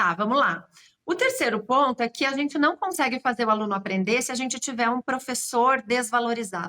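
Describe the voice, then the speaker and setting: At a fairly quick pace, a woman speaks in a high pitch with a bright, sharp tone and ordinary pitch variation. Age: 50s. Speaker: lawyer. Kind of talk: interview.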